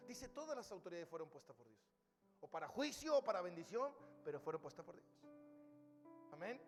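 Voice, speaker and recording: A man's voice: sits high, very animated, fairly quick, big-room sound, faint music behind. A male pastor preaching a sermon, emphatic, calling his listeners brother. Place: church hall.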